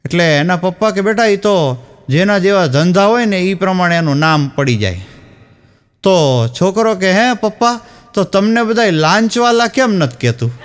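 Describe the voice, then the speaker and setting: High-voiced man telling jokes. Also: expressive, normal speed, smooth. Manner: storytelling, acting out dialogue. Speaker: stand-up comedian. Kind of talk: telling jokes to a live audience.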